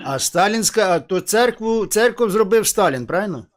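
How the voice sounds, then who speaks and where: Man, western ukrainian accent, high voice, persistent questioning, street debate. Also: lively intonation, moderate pace, faint music behind. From Ivano-Frankivsk, western Ukraine. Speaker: street evangelist, channel host. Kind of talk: street debate about faith.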